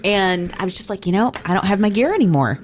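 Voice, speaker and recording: A woman's voice: medium pitch, animated, quick pace. A woman co-hosting a podcast, chatting casually and candidly, sometimes voicing what other people say. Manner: candid, mimics others' remarks. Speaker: podcast co-host. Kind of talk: casual chat. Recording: noticeable background noise.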